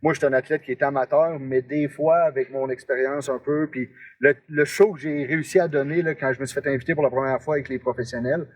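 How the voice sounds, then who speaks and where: A man's voice: medium pitch, steady tone, quick pace. A man in his twenties with a Québécois accent, an amateur strongman answering interview questions in a chatty, rambling way. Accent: Québécois French. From Quebec, Canada. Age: 20s. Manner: chatty, rambling, many "là" tags.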